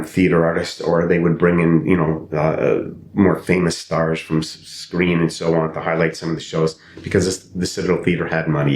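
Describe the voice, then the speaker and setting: An older man from Canada, an actor and playwright whose first language is not English, reflecting on his life in a thoughtful interview with frequent restarts. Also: a little mellow. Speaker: podcast guest, actor and playwright. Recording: roomy with faint rumble.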